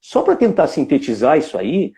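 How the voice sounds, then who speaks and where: A man's voice: a little high, wildly swooping pitch, normal speed, vocal fry, warm tone. A man from Brazil giving a reflective live talk, musing aloud with frequent tag questions and restarts. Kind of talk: reflective spoken lecture.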